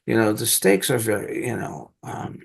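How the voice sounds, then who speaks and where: An older man, a Zen teacher, leading a dharma talk and group discussion in a halting, searching way with many restarts. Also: fairly low pitch, big pitch swings, gravelly, breathy edge.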